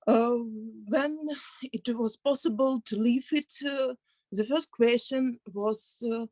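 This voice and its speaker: A woman with a Ukrainian accent gives personal testimony over a video call. She speaks slowly and haltingly, searching for words, in a slightly high voice with a dry, close sound. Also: a little mellow, dry recording, rough recording. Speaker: participant in a play reading.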